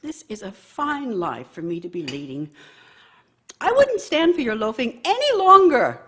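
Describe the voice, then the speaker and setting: An actress playing a bitter, long-suffering wife in a radio play, nagging and scornful, with a husky voice. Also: female voice, fairly high pitch, big pitch swings, a little slow, bright, forceful tone, heavily acted. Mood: indignant, scornful. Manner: scornful, reproachful, needling. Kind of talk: radio theater monologue.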